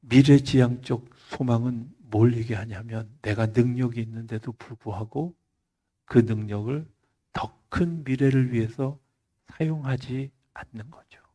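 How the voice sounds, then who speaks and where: A male pastor preaching a Friday night sermon in church, swinging from loud emphasis to soft near-whispers. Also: mid-range voice, steady tone, unhurried.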